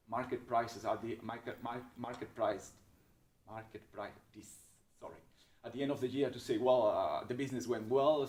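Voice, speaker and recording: A man's voice: mid-range voice, darkish tone. A man presenting in a webinar Q&A, explaining rules methodically with frequent restarts and hesitations, and with a strong voice. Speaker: expert presenter answering questions. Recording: roomy webinar audio with a distant mic.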